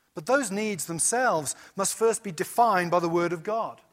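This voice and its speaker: A man's voice with ordinary pitch variation on a very clean recording against a silent background. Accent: British. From Britain. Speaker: seminary academic dean and preacher. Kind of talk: lecture. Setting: church with audience.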